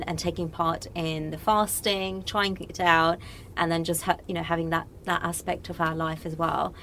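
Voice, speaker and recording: A woman's voice: on the low side, a little hiss or hum. A woman from Morocco talking casually and reflectively as an interview guest.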